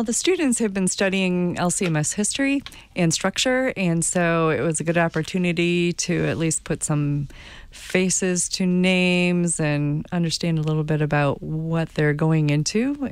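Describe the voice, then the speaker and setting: Woman, program director, very low voice, dry studio sound, measured. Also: clear, resonant tone, no echo. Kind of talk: studio radio interview. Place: radio studio.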